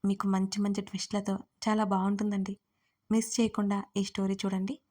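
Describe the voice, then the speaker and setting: Woman narrating an audio story flatly. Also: medium pitch, a little fast. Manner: dramatic storytelling.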